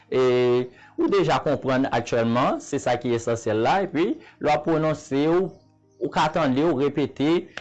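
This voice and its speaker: A man with a Haitian accent, teaching a Spanish pronunciation lesson. He speaks patiently, repeats each example word slowly and keeps checking in with the listener. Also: mid-range voice, a little mellow, dull audio. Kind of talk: spoken language lesson.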